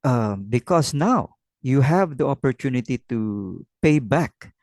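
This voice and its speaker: Host: man of middle pitch, measured and explanatory, close dry sound. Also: expressive, darkish tone, no room sound. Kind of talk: interview.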